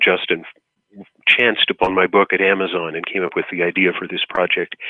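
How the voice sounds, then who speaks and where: Very fast speech comes from a man. His pitch is very deep and low. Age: 60s. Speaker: author and retired teacher. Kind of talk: interview.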